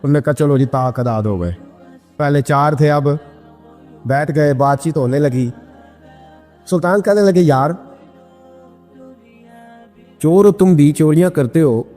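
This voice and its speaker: A man preaching a sermon, telling stories and acting out the voices of the people in them, rising to loud emphatic peaks. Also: on the high side, animated, pauses often. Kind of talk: sermon storytelling. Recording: long hall reverb with faint music.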